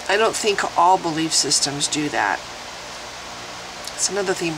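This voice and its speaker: At a moderate pace, a speaker with an American accent talks as noticeable background noise continues. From Midwest.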